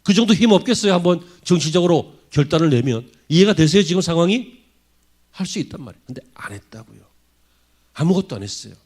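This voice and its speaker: A male pastor delivers a sermon in a church, his voice sitting a bit high for a man and swinging widely in pitch. He keeps pressing his listeners with rhetorical questions, dropping low and soft at times, then lifting his voice again. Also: quick pace. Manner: animated preaching full of rhetorical questions to the congregation. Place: church sanctuary.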